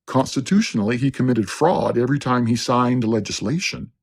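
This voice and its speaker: A man reads a script aloud in a gravelly, fry-laced voice. His delivery is steady and declaiming. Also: mid-range voice, brisk. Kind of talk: scripted narration.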